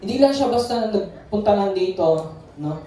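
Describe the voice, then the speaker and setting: A woman's voice: medium pitch, animated, normal speed, dark tone, a little hiss or hum. A Filipino woman giving a casual, playful youth sermon, mixing in English, recorded from a distance in a church hall. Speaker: youth speaker. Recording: echoey hall, distant mic.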